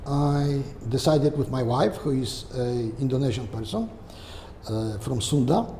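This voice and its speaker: An older man with a Polish accent, answering interview questions in a halting way and often checking in with "okay?" or "right?". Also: medium pitch, expressive, mellow. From Poland. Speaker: guest. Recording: echoey room with long reverb and faint hiss.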